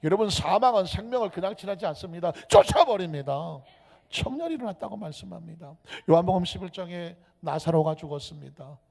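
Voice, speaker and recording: Male pastor preaching, high gravelly voice, hushes then calls out, gets the crowd repeating after him, echoey church hall. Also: a little fast. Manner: dramatic, swings between hushed whispers and loud calls; leads the congregation in call-and-repeat. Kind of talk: sermon. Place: church sanctuary. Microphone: microphone.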